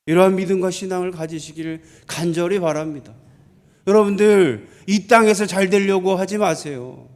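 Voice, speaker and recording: A male pastor delivers a sermon in a notably high voice. He drives his points home with rhetorical questions and emphatic repetition. At moments he sinks into a quiet, pleading tone. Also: normal speed. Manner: drops to a soft, low voice for pleading.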